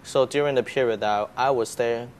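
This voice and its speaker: A man's voice: medium pitch, steady tone, moderate pace. A young man, a student guest, answering interview questions casually, with fillers and laughs. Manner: chatty, laughs, uses fillers. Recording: faint background noise.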